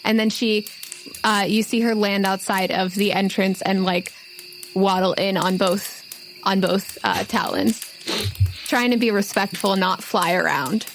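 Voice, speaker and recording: A woman's voice: medium pitch, fairly even intonation, measured pace, soft background music, poor audio. A woman acting as game master, narrating a tabletop role-playing game in a casual, conversational, improvised way.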